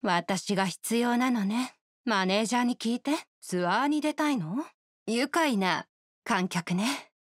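An actress voicing a proud, perfectionist young oni musician in a Japanese video game, poised, exacting and self-assured. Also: female voice, on the high side, measured pace, dry recording, studio quality. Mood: confident, haughty.

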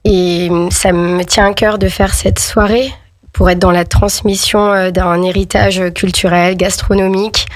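A woman's voice: medium pitch, flat delivery, a little slow, no room sound. A young woman from France, a guest on a radio show, speaking earnestly about organizing a cultural evening. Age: young adult. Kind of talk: radio interview. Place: radio studio.

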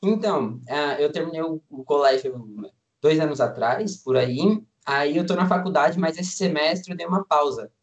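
Rambling young man, slightly high voice. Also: moderate pace. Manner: relaxed, rambling, many fillers like "tipo" and "assim". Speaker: student guest. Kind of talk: casual interview chat.

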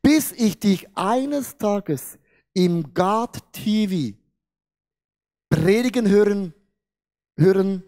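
A man, preaching a sermon into a handheld mic on a large church stage and acting out a story, swinging between loud and hushed. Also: high-pitched, expressive, very slow, long pauses. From Switzerland. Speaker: pastor.

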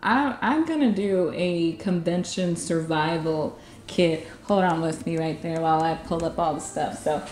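A woman's voice: on the low side, unhurried, roomy sound, noisy background. A woman chatting casually on a video, showing her convention gear and laughing often. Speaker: YouTube convention reporter. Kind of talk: casual show-and-tell chat. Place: game room with arcade cabinets.

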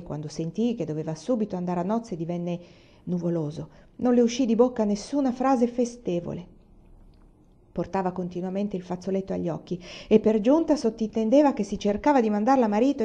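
Woman narrator, first-person historical novel, measured expressive reading, warm dark tone, slightly muffled lo-fi audio. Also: mid-range voice. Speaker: reader.

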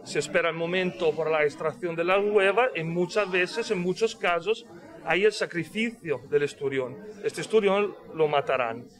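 A man's voice: a little high, fairly bright tone. A man, talking through a face mask as he explains caviar at a tasting, checking in with listeners as he goes. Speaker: caviar company representative. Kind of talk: explaining products at a tasting interview. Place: busy fish shop indoors. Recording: crowd noise in a shop. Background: crowd chatter.

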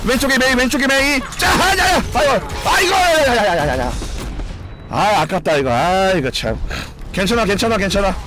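High-pitched guy streaming a game, yelly and hyped, voice jumps all over. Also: normal speed, noisy background. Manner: excitable, shouts and swears during play; cheers on teammates with repeated calls. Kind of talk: live gameplay commentary.

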